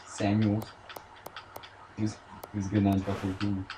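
A man's voice: on the low side, monotone, moderate pace. A young man chatting casually as a friend on a gaming video, teasing and laughing along. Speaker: friend co-host. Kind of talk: casual chat. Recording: noisy room sound.

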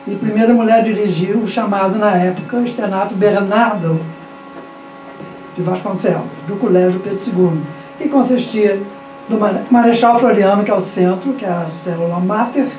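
An older woman speaks in a measured, reflective way, her voice mellow and warm. She holds a handheld mic in a small radio studio, and the sound is roomy, heard from a little way off with faint music behind. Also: medium pitch, recorded from a distance, a little hiss or hum. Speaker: guest, former school director. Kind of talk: casual interview and poetry reading.

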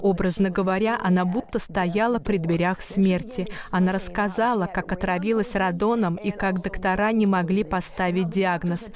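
A woman's voice: medium pitch, fairly even intonation, normal speed, few pauses, crowd noise. A middle-aged woman dubbing a guest minister on a Christian talk show, telling stories in an earnest voice-over.

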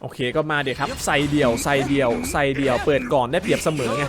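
A man, commentating a fighting game with excitement, yelling and repeating words as he plays. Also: medium pitch, fast, noisy background. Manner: animated, yells and repeats words during fights. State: slight sore throat. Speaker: gameplay commentator. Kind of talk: excited Let's Play commentary. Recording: game music playing loudly behind.

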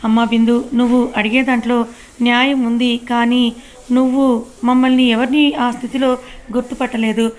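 A woman voicing a gentle, guilt-ridden older mother-in-law in a read-aloud story, soothing and coaxing. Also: a little high, flat delivery, normal speed, close to an everyday voice.

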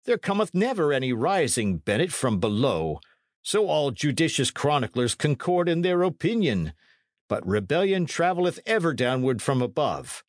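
A man's voice: on the high side, very animated, normal speed, no room sound, studio quality, voice pushed up. A man voicing a portly middle-aged priest in an audiobook, fretful and scholarly, with pompous, exclamatory archaic speech. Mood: deliberating, pompous.

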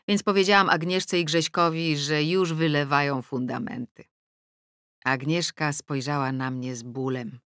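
A woman narrating an audiobook in the first person with a wry, ironic delivery and lively pitch swings, close to the mic. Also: dry recording. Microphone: close studio mic.

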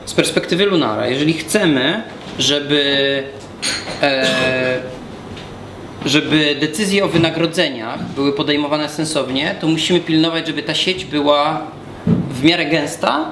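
Man, 30s, whiteboard talk, restarts often, slightly high voice, echoey brick room, distant camera, noisy. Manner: explains step by step while drawing, many restarts. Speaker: guest speaker. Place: small room with brick walls. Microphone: far camera.

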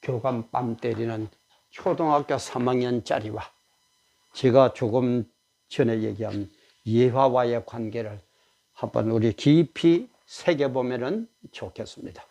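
A man's voice: mid-range voice, measured pace, vocal fry, warm tone. A male pastor, preaching an emphatic, exhorting sermon.

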